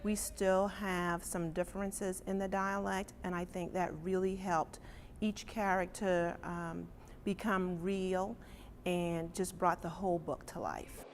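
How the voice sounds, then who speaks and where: Woman being interviewed, from around charleston, kinda low and flat delivery. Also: slow pace, slight background noise. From Charleston area, South Carolina. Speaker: interviewed reading participant. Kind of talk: interview talk.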